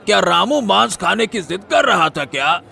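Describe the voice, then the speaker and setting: A man voicing a flattering, eager-to-please village meat seller with a gravelly, high voice in a cartoon story. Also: normal speed, exaggerated voice. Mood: fawning. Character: fawning male village meat seller, middle-aged. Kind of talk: Hindi cartoon voice acting.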